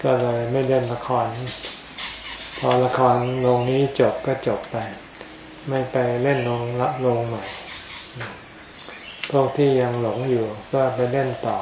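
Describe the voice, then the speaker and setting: A man giving an informal Buddhist sermon as a monk, in a low-key murmur, with short phrases and pauses. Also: flat delivery. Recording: echoey, dull lo-fi, noisy with insects.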